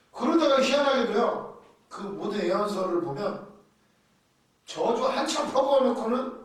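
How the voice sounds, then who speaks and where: A man preaching a sermon, telling Bible stories in a lively way and acting out the quotes. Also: sits high. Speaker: pastor. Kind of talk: sermon teaching on doctrine. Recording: echoey hall from far off.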